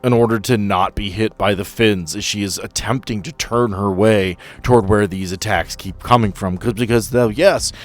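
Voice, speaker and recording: A man's voice: lowish voice, normal speed, hardly any pauses, faint music behind. A man working as game master, narrating the action and addressing players directly in a conversational way. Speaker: game master of a tabletop role-playing podcast.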